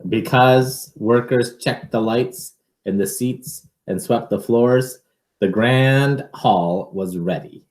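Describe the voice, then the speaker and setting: A man reading a picture book aloud to children in an expressive, measured way, with informal asides. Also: medium pitch, reverberant, rough recording.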